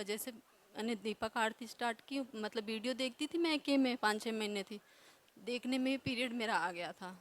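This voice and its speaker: A woman's voice: fairly high pitch, fairly bright tone, a little hiss or hum. A young woman gives an emotional, pleading personal testimony as a devotee, her voice breaking into tears.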